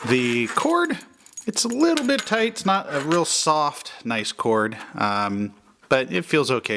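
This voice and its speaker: A man with an American accent and a normal speaking voice, at a fairly slow pace. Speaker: CB radio product reviewer. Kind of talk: product review. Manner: casual, with filler words.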